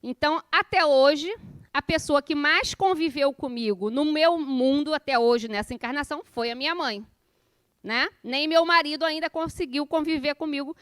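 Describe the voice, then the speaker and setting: A woman in her forties with a Rio Brazilian accent teaches a class informally. Her voice sits high and is picked up dry and close, with very little room in it. She talks colloquially, like someone telling personal stories, and keeps turning to her listeners with questions and small checks for agreement. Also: normal speed, a bit bright, no room sound. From Rio de Janeiro, Brazil. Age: 40s. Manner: conversational, colloquial, personal storytelling. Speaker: spiritist course lecturer.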